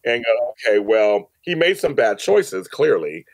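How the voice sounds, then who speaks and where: A man's voice: mid-range voice, big pitch swings, measured pace, creaky, no room sound. A middle-aged man talking candidly as a podcast guest, emphatic and repeating phrases to make his point. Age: middle-aged or older, grandfather. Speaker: podcast guest, media company CEO. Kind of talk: candid conversational interview.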